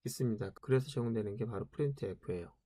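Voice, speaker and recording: A man's voice: on the low side, quick pace, dark tone, no echo. Chatty man lecturing, dry close sound. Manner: chatty, asks rhetorical questions and answers them himself. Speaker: programming lecturer. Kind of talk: casual spoken lecture.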